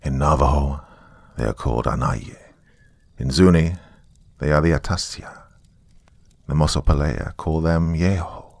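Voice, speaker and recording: A man's voice: extremely low pitch, measured pace, gravelly, pauses often, no echo, full character voice. A man voicing a solemn Native American elder who gives a grave, portentous warning in a horror story. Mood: ominous. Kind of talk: dramatic reading in a horror story.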